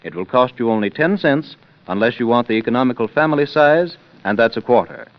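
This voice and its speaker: A man's voice: medium pitch, lively intonation, brisk. A male radio announcer reading a scripted advertisement persuasively. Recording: dull old radio recording with music.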